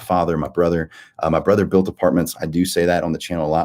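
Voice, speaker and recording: A man with a Louisiana accent talks at a very fast pace in a very deep, low voice, recorded very cleanly against a silent background. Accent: US South (Louisiana). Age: 30s. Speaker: YouTuber and car dealership worker. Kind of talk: live-stream Q&A. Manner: hesitant, many fillers.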